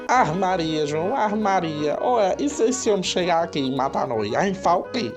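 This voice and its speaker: A man's voice: high voice, big pitch swings, moderate pace, over music. A man playing a cowardly, gullible bakery worker in a radio soap, whiny and fretful, with a Northeastern Brazilian accent. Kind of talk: radio soap opera acting.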